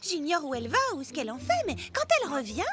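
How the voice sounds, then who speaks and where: Brief: bright cartoon girl, sing-song and bouncy, exclaims a lot. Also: sits high, huge pitch swings, fast talker. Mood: coaxing. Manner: patient, coaxing, exclaims often. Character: cheerful young cartoon girl training her dog. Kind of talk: French cartoon dub. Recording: cartoon soundtrack with loud music.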